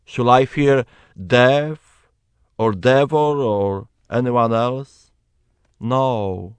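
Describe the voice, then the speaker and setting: Slow earnest man with a Polish accent. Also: medium pitch, smooth, no echo. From Poland. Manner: slow, earnest, emphatic preaching. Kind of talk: personal testimony, Bible reading.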